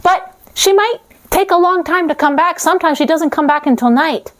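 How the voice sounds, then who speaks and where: A woman voicing a tiny, vague little girl in a told folk tale. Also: moderate pace. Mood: innocent. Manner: shrill, childlike, vague.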